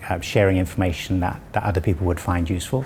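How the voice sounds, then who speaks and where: The voice is somewhat breathy, with an English accent. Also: man. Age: 50s. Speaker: local history website founder. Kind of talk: interview.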